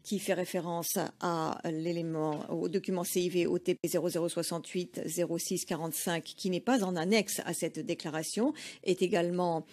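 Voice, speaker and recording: Une femme interprète de tribunal, qui traduit en simultané avec un débit mesuré et des hésitations fréquentes. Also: female voice, lowish voice, steady tone, a little mellow. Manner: measured, hesitant with frequent fillers. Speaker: courtroom interpreter.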